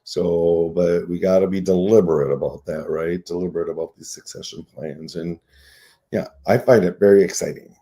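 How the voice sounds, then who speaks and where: A man's voice: deep voice, fairly even intonation, normal speed, dark tone. A man in his sixties, a nonprofit CEO, speaking as a guest in a casual radio interview, reflective and earnest, often checking in with "right?". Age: 60s.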